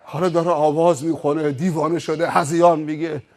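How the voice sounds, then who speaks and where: A man's voice: on the high side, level tone, a little mellow. A man preaching a sermon, telling stories emphatically and acting out the scenes. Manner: emphatic, vivid, acts out scenes. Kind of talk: sermon with dramatized storytelling.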